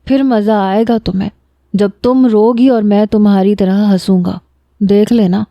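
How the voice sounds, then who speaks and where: A woman's voice: medium pitch, steady tone, no room sound, muffled recording, lightly acted. A woman voicing an injured young man with amnesia who whines and pouts like a scared child, in a storybook reading. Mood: sulky. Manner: whiny, pouting, childlike threats.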